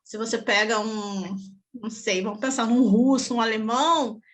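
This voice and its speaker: A Brazilian woman teacher with a high voice talks easily and at length. She keeps checking in with her listeners through little tag questions. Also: steady tone, normal speed. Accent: Brazilian Portuguese. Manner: chatty, often adds tag questions. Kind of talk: casual talk on language and culture.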